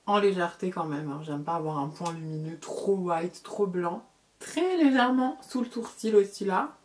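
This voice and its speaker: A middle-aged woman giving a casual makeup tutorial as a beauty vlogger, chatty, repeating words and filling pauses. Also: on the low side.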